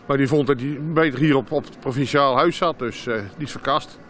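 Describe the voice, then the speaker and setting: A man's voice: mid-range voice, fairly even intonation, a little fast, a bit bright. A man in his sixties with a broad Dutch accent from Brabant, chatting casually in a street interview. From Brabant, Netherlands. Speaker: market passer-by being interviewed. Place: outdoor market street. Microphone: handheld interview microphone. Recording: outdoor street with faint noise.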